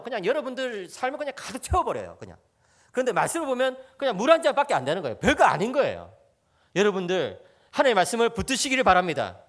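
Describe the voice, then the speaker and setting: A man's voice: high voice, a bit bright. A man preaching a sermon in a church, telling stories with animation and often calling out to the congregation. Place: church sanctuary.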